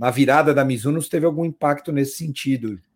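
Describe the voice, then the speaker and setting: A man with a fairly high pitch. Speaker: podcast co-host. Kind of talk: casual chat.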